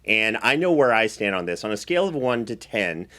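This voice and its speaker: A man hosts an interview in a low-pitched voice. He talks conversationally, as a presenter chatting with a guest. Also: very animated, brisk, bright, forceful tone. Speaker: host and series producer.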